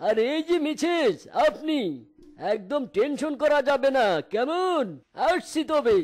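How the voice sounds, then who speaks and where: A man voicing a calm, reassuring animal doctor in a cartoon. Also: very high-pitched, takes it slowly, soft background music, full character voice. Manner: calm, soothing. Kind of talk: cartoon voice acting.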